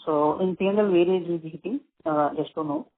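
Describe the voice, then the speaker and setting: A man's voice: sits high, brisk, no room sound. A man with an Indian accent, an analyst asking questions as a caller on an earnings call. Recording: noisy tinny phone line.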